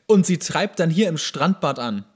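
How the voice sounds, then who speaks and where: A man's voice: on the high side, animated, moderate pace, darkish tone, husky. Male podcast co-host, casual and jokey, slangy sarcastic running commentary. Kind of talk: casual banter, commenting on a TV show.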